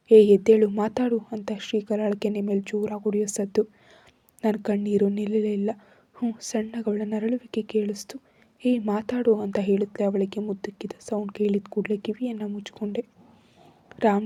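A woman narrates a dramatic first-person story in a soft, often whispery voice, performing the characters' lines herself. Her pitch is medium and slightly rough.

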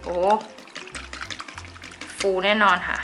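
A woman's voice: slow pace, sharp tone, soft background music. A woman hosting a chatty craft tutorial, bubbly and polite, talking straight to her viewers. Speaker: slime-making channel host.

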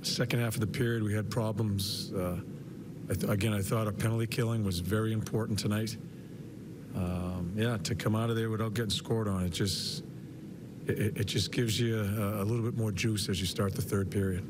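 An older man in his sixties, a head coach, answering postgame press questions in halting bursts with repeated words and many fillers. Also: lowish voice. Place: arena press room. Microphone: podium mic, medium camera shot. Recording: broadcast feed with steady background noise.

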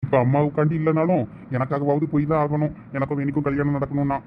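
A man's voice: a little high, little pitch movement, fast talker, phone-quality sound, slight background noise, lightly acted. A man in a village comedy skit, playing an impatient young son who bickers with his mother and friend. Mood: worried. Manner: exasperated, bickering.

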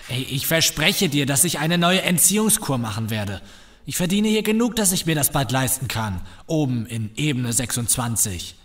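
An actor playing a desperate, volatile young addict ex-boyfriend in a sci-fi audio drama. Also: male voice, mid-range voice, big pitch swings, moderate pace, a bit bright. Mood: pleading.

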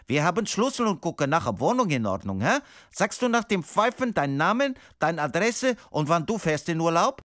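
Nosy foreign burglar for comic phone message, male actor: accented broken speech, high pitch, dry sound. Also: very animated, a little fast, hardly any pauses, a bit bright, dry recording. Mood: sly, chummy. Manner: broken grammar, chummy. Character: nosy foreign burglar minding the house, chummy man. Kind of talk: comic answering machine sketch.

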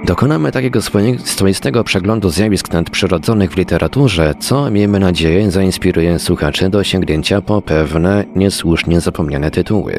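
Low-pitched man introducing a radio show. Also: slight background noise. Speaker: radio host and technical producer.

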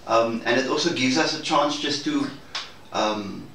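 A man speaking in a measured, hesitant and formal way in a reflective debrief conversation. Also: mid-range voice, creaky, fairly bright tone. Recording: roomy, distant mic, faint noise.

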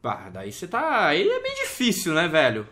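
A man with a Brazilian accent, hosting a Minecraft Pokémon challenge and chatting excitedly with friends, teasing and full of slang. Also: a little high, normal speed. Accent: Brazilian Portuguese. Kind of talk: casual gaming chat with friends.

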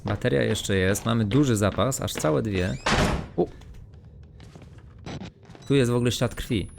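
Talking a little slowly in a creaky, mid-range voice, a streamer narrates his horror game as he plays. It's mostly muttering, swearing and self-talk aimed at himself and viewers, recorded as noisy game stream audio.

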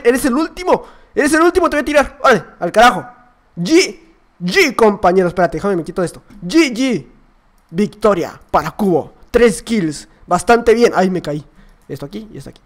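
Un joven con acento latinoamericano que comenta sus partidas con emoción, grita cuando pierde y murmura entre jugadas. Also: male voice, high-pitched. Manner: excitable, yells at sudden deaths then drops to mutters. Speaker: gaming youtuber. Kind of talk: gameplay commentary.

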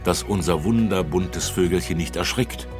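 A man voicing a young guide who carefully hushes visitors, speaking slowly, in a children's audiobook. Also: low-pitched, over music, lightly acted. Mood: hushed.

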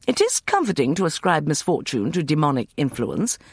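A confident, formal matron speaks briskly with lively, swinging intonation and a gravelly undertone, as a male narrator puts her on. Dry, close recording. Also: on the high side, no echo, exaggerated voice. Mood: assured. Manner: brisk, formal, self-assured. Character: brisk, self-assured Victorian matron.

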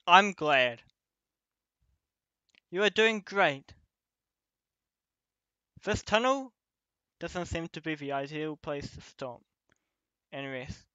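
A protective young escape companion, played by a man in an ASMR roleplay, speaking very close and dry on a slightly dull recording. The delivery is slow and halting, broken into short phrases that guide and shield the listener. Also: a little high, sharp tone, smooth, no room sound. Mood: wondering, encouraging.

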